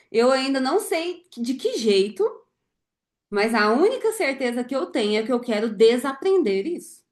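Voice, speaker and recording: A woman's voice: medium pitch, a little mellow. A woman neurotherapist and coach giving a live motivational talk, emphatic, repeating key phrases and speaking straight to her viewers. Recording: echoey room.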